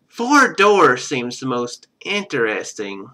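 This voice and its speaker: A man's voice: medium pitch, huge pitch swings, takes it slowly, bright, forceful tone. A man streaming a game, reading its text aloud and thinking through it in casual commentary. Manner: thinks aloud while playing.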